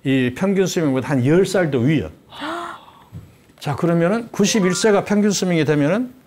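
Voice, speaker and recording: A man's voice: high-pitched, normal speed, a little hiss or hum. An older man giving an explanatory talk-show lecture as a guest expert, posing rhetorical questions and answering them in an emphatic, teacherly way. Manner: lively, emphatic teacherly delivery.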